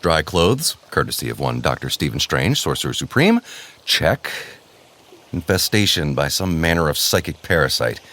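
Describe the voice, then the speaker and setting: A man's voice: very deep voice, sing-song, moderate pace, bright, forceful tone, roomy sound, exaggerated voice. A man acting as an urgent, protective wizard mentor with wry, muttered asides in an audio drama. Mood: wry, reassuring.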